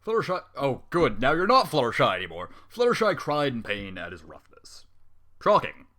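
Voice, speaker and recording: A man's voice: medium pitch, wildly swooping pitch, normal speed, bright, forceful tone. A man reading fan fiction aloud with running commentary, exasperated and sarcastic, swearing often.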